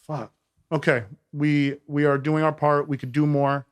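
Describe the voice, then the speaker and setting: A man's voice: on the high side, little pitch movement, a little slow, clear, resonant tone. A man hosting a casual podcast conversation who speaks earnestly, often hesitates with fillers, and answers with short affirmations. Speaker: podcast host.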